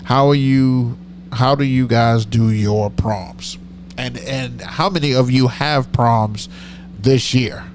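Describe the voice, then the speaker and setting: A man's voice: mid-range voice, slow pace, a little mellow, a little hiss or hum. A middle-aged man with a nasal voice, hosting a live stream as a DJ, chatting casually and rambling as he answers comments. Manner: rambling, self-correcting, chatty.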